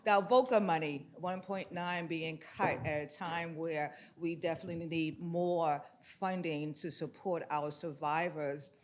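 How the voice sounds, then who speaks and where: A man in the audience with a somewhat high voice who talks loudly and informally. He rambles through his points and laughs easily, holding a microphone in a conference room. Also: steady tone, a little slow, hardly any pauses, slight background noise. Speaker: audience participant. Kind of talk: audience comment in a workshop. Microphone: handheld microphone.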